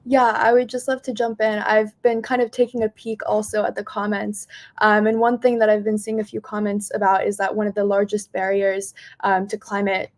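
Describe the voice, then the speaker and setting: A young woman, a native Japanese speaker, talks fluently and earnestly on a video call. Her pitch sits in the middle and stays quite flat. She keeps a steady, even flow. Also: normal speed. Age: young adult. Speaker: panelist, nonprofit founder. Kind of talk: online panel discussion.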